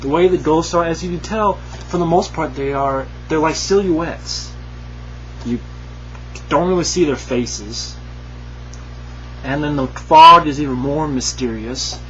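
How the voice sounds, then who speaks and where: Against noticeable background noise, the speech moves at a fairly slow pace with long, frequent pauses. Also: man. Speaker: movie reviewer. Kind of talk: casual movie review monologue. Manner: rambling, hesitant with fillers.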